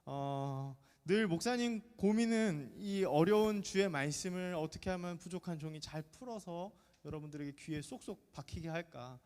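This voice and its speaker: A man in his thirties preaches to a middle-school youth group, his voice sitting a little high. He talks in a chatty, joking way and keeps asking the teenagers questions. His words ring with the long reverb of a church sanctuary. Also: moderate pace, few pauses, a little mellow, clean tone. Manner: chatty, jokey, often asks the congregation questions. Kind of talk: lively sermon to teenagers.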